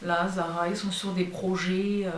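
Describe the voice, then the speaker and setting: French woman, young, fashion vlogger, chatty, talks to her viewers, mid pitch, roomy sound, off-mic. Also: moderate pace. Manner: chatty and expressive, addresses viewers as girls. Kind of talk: casual haul chat to viewers. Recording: roomy, a bit far from the mic.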